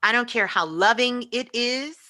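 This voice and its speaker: Bright, high-voiced woman, emphatic. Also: normal speed. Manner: emphatic, repetitive, preacher-like delivery. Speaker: guest spiritual teacher. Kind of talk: impassioned spiritual talk.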